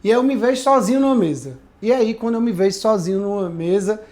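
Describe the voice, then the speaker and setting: A pastor earnestly recounts his life testimony in a podcast conversation, reflecting as he goes and often checking in with tag questions. His voice sits high and is a little mellow, with lively intonation and a quick pace.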